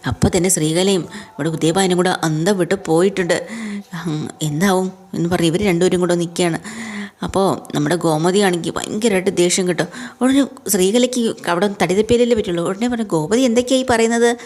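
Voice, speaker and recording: A woman's voice: lowish voice, fairly even intonation, brisk, a little mellow. A woman casually retelling a television serial episode in a chatty storytelling way, adding little tag words to her sentences. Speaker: serial recap presenter.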